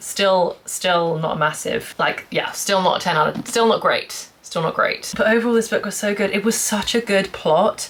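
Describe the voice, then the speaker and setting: Hardly any pauses, with noticeable background noise throughout. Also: woman, medium pitch for a woman, ordinary pitch variation. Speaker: book vlogger. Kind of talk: casual vlog talk to camera. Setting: at home. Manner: fast; animated.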